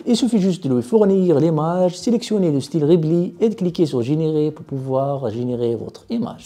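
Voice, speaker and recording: Very dark, mellow tutorial voice. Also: medium pitch. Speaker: tutorial presenter. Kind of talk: explanatory tech tutorial narration.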